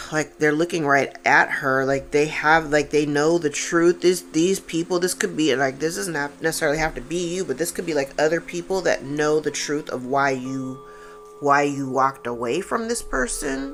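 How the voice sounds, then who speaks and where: A woman's very deep, low voice over music in the background. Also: ordinary pitch variation, moderate pace. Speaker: tarot reader. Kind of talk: tarot reading monologue.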